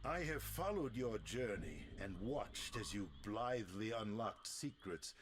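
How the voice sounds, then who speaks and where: Slow, low-voiced ancient vampire elder. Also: male voice, animated, slight background noise. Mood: grave, interrogating. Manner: sardonic, theatrical, bitter, grandiloquent. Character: ancient, world-weary, haughty male vampire elder. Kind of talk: video game cutscene acting.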